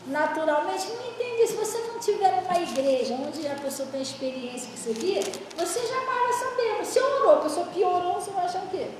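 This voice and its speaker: High-voiced woman pastor, animated. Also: brisk, hardly any pauses, noisy background. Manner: animated, laughing storyteller, acting out quotes. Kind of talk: storytelling sermon. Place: church. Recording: echoey church hall, mic far off.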